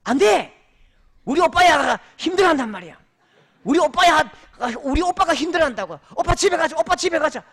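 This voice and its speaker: A man's voice: extremely high pitch, expressive, brisk, a bit bright, voice pushed up, exaggerated voice. A man voicing a giddy, petulant young bride.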